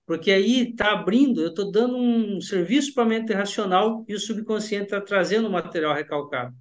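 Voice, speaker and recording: A man with a Brazilian Portuguese accent, a hypnotherapist giving a lively, explanatory lecture and freely shifting his intonation. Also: sits high. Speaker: hypnotherapist teaching a class.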